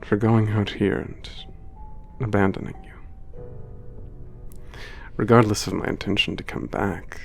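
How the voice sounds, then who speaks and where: A man voicing a gentle, melancholy giant protector, soft-spoken and formal, who narrates in a reflective, often whispered voice. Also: on the low side, steady tone, a little slow, creaky, long pauses, soft background music. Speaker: narrator of letters home. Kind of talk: ASMR audio drama narration.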